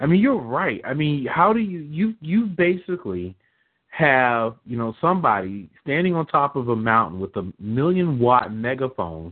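A man speaks at a medium pitch with very wide pitch swings. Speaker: podcast host. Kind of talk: casual chat. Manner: animated.

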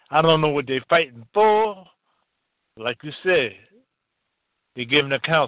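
Lively intonation marks this man's fairly high voice. He talks at a moderate pace. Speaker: caller. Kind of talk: phone call-in comment. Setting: phone call.

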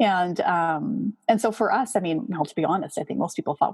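A somewhat breathy woman with a Western Canadian accent at a fairly quick pace, with a dry, close sound and no echo. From Canada, Saskatchewan. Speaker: author and blogger. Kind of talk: interview conversation. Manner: frequent fillers and hesitations.

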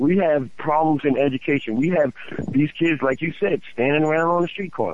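A New York accent at a moderate pace. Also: man. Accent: New York City. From New York, South Bronx. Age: 30s. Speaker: lawyer and activist marcher. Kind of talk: phone interview. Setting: phone call.

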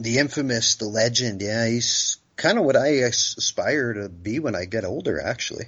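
A man with an ordinary speaking voice at medium pitch, ordinary pitch variation, hardly any pauses and a moderate pace. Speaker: podcast co-host. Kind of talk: casual chat. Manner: crude, joking, profane.

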